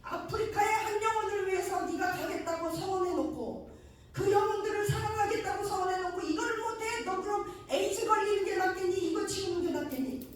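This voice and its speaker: A stern divine spirit scolds and commands, as a woman preacher puts it on in a voice pitched well above her own. It comes loud and demanding. It is heard from afar in a very echoey hall. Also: measured pace, distant mic. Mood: stern scolding.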